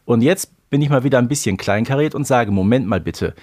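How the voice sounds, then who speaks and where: A man's voice: medium pitch, brisk, darkish tone. A man co-hosting a podcast, discussing an episode casually with many fillers and nitpicking. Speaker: podcast co-host.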